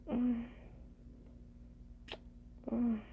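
Woman, ASMR role-play, affectionate lover, tender sweet nothings, breathy and creaky, slightly muffled recording with faint hiss. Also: fairly high pitch, completely flat delivery, drawn-out words. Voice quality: soft, breathy soft voice. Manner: murmuring tender sweet nothings, soothing and intimate. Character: gentle, doting, affectionate female lover.

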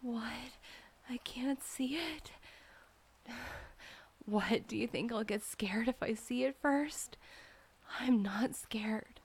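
Slow, breathy whispering young woman. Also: on the high side.

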